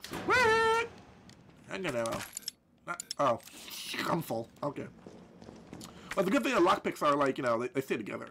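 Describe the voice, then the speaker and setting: This is a man's let's play commentary on a horror game: fairly high-pitched and gravelly, his pitch swooping wildly at a normal pace with long pauses. He has a lisp, rambles, swears, and keeps restarting sentences, while background noise runs underneath.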